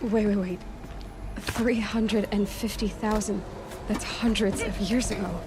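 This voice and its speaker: An actress playing a young, curious, self-reliant tribal huntress in a video game, wryly talking to herself. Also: female voice, mid-range voice, fairly even intonation, unhurried, natural voice. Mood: bewildered. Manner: muttering to herself, wry.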